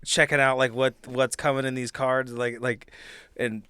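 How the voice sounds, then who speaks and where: A man with an average-pitched voice chats casually on a podcast. He rambles and leans on "like" as he goes. The recording is dry. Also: little pitch movement, normal speed, pushed and bright, clean tone, dry recording. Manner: rambling, repeats "like". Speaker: podcast player. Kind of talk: casual chat.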